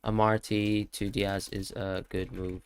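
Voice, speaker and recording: A man hosting a live question-and-answer stream, talking quickly as he reads out viewers' questions and answers each one on the spot. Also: lowish voice, little pitch movement, clean tone. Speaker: fantasy football stream host.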